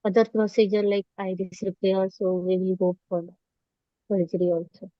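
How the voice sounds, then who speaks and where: A woman with a South Asian accent answers exam questions as a trainee. Her delivery is halting and deferential. The online recording is dry and a little muffled. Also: mid-range voice, little pitch movement, no echo. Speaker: medical trainee being examined. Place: webinar call.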